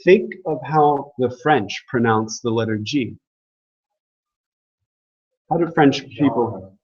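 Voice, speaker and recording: Man, classroom language teacher, husky voice, chatty and joking, slightly dull lo-fi recording. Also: mid-range voice, slow. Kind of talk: classroom lecture.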